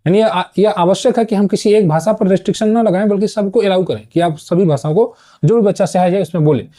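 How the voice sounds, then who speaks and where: Fast, high-voiced male exam-prep teacher. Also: dark tone. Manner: explains points then checks with a quick "thik hai"; mixes English terms into his explanations. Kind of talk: online exam-prep lecture.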